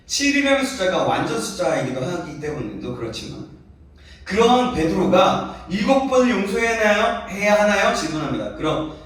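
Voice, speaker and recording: A male pastor giving a sermon to a youth congregation, conversational and full of questions to the listeners. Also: sits high. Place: church sanctuary. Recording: very echoey hall, voice from a distance.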